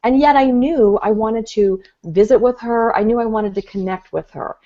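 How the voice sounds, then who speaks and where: A woman relationship coach giving a gentle, earnest teaching talk with examples. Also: on the high side, moderate pace. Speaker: guest expert, relationship coach. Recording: dull lo-fi audio.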